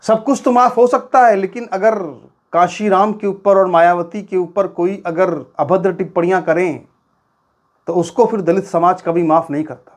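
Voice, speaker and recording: A woman's voice: lowish voice, steady tone, moderate pace. A woman presenting news commentary to viewers in a colloquial, mocking way.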